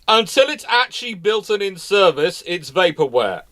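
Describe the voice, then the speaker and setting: Male host for live Q&A commentary, voice a touch high, emphatic delivery that restates points. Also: sing-song, normal speed, pushed and bright. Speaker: host of a naval history question show. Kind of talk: casual live question-and-answer commentary.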